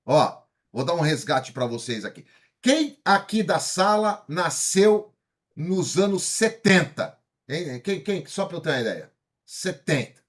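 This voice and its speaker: Husky paulistano man giving a lively lecture. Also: on the high side, a little slow. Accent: Paulistano Brazilian Portuguese. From São Paulo, Brazil. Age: 50s. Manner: energetic, asks the audience questions, frequent tag questions. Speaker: speaker. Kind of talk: motivational lecture to a live audience.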